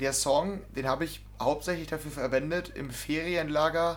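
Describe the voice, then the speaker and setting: Using vocal fry, a man speaks at a moderate pace in a fairly high voice with fairly even intonation. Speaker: music podcast co-host. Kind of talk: casual chat. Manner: loud.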